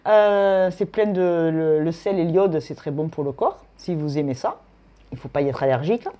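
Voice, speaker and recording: A woman's voice: low-pitched, normal speed, dull audio. A woman from France, giving a casual tarot and astrology reading in a chatty, thinking-aloud manner. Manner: chatty, thinks aloud, frequent tag "hein". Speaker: tarot reader.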